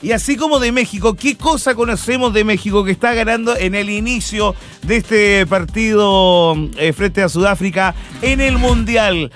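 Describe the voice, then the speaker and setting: Male radio host, high voice, playful sing-song banter over music. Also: normal speed, a bit bright. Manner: playful, jokey, often sing-song and laughing. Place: radio studio.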